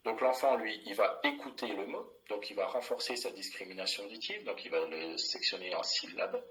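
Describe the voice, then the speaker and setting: A man's voice: on the low side, normal speed, sharp tone, rough recording. A middle-aged man, a primary school teacher, explaining a classroom method in a plain, methodical way with many fillers and restarts.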